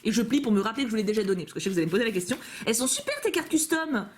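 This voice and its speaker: Talking very fast, a young woman with a fairly high, widely swinging voice opens fan mail in a home vlog shot on a camcorder. She chats playfully and gushes, laughing often, over the fan-made cards, and there's slight background noise.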